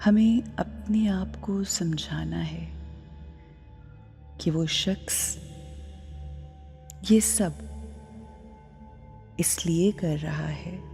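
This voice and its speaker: A woman leading a guided meditation, speaking deliberately in short phrases with long pauses between them. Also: lowish voice, creaky, mellow. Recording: long reverb, music underneath. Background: music.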